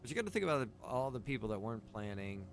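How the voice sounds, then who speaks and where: Fast-talking and very animated, a man with a mid-range voice chats casually while streaming a video game, rambling as he thinks aloud. Background noise is clearly present.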